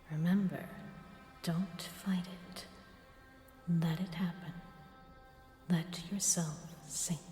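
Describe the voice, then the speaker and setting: Woman acting a female vampire, seductive, menacing, lowish voice, very slow deliberate delivery, purring half-whispers, hypnotic audio roleplay. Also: warm tone. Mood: hypnotic, soothing. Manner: teasing, purring, deliberate, often dropping to a whisper.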